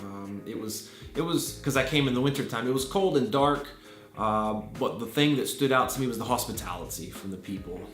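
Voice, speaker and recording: American male teacher, 30s, earnest and unscripted, mid pitch, echoey room with faint music. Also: expressive, brisk. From Virginia, USA. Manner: earnest, thoughtful, with frequent fillers and restarts. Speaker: English teacher. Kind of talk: unscripted interview answers.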